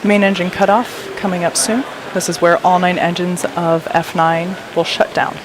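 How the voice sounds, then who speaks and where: A woman's voice: lowish voice, steady tone, normal speed. A woman giving explanatory live commentary as host of a rocket launch webcast. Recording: crowd and loud noise behind.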